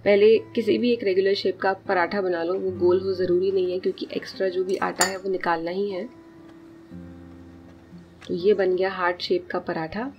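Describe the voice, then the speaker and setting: A woman's voice: fairly low pitch, little pitch movement, moderate pace, lo-fi sound, faint music behind. A woman in her thirties talking through a cooking recipe in a casual, explanatory vlog voice-over, walking through each step as she works. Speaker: cooking vlogger. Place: home kitchen.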